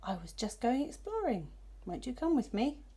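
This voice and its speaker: An inviting, mysterious black cat from a picture book, played by a woman. The voice is breathy and mellow, often hushed, with lively swoops in pitch. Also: moderate pace. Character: smooth, inviting big black female or male cat.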